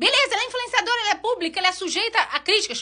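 The voice is animated in tone and bright and sharp, heard over a quiet background. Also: woman. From Brazil. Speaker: online writing teacher and influencer; online writing teacher, influencer. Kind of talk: opinion monologue to camera. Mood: indignant, critical. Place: home room. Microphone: phone near.

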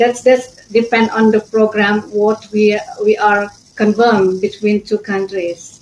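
In an Indonesian accent, a woman speaks at a very slow pace with a fairly high pitch and monotone, flat intonation. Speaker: business consultant; panelist. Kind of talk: panel discussion. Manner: halting. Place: home room. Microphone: video call.

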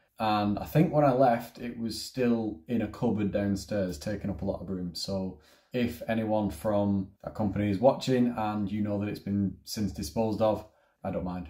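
A man speaks at a moderate pace in a Mancunian accent, his voice fairly low with a dark, mellow tone. His pitch varies in an ordinary way, and the background is quiet. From Manchester, northwest England. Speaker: street artist YouTuber; vlogger. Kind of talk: casual vlog narration. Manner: chatty, rambling with hesitations. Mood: relaxed, lightly humorous. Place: home room.

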